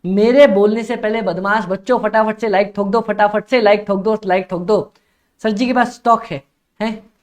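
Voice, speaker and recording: A young man teaching a live-streamed online exam class, energetic and coaxing, who keeps repeating phrases and reads chat comments aloud. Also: sits high, normal speed. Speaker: accountancy exam tutor.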